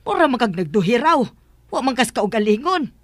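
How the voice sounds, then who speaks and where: A woman's voice: fairly high pitch, very animated, a little fast, slight background noise. An actress playing a bossy, teasing but caring village woman with a Bisaya accent in a radio drama comedy. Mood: chiding. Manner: chiding, teasing, blunt.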